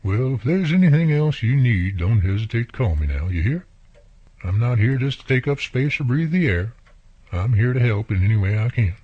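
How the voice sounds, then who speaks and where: A man's voice: mid-range voice, lively intonation, moderate pace, husky, dry recording. An actor playing a friendly, plainspoken country handyman neighbor with an American country accent, talking folksily in a radio drama. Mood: neighborly. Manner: folksy, colloquial, drawling turns of phrase. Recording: muffled, lo-fi audio.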